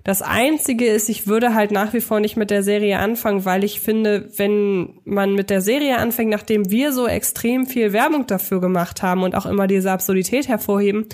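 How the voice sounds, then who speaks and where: A woman's voice: medium pitch, steady tone, moderate pace, few pauses, darkish tone. A woman co-hosting a podcast, casually discussing films and explaining her reasoning step by step. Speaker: podcast co-host.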